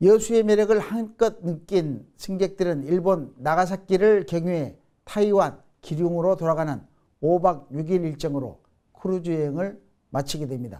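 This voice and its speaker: With a dark, mellow tone, a man talks at a moderate pace in a high pitch with ordinary pitch variation. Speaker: news anchor. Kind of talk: TV news anchor read.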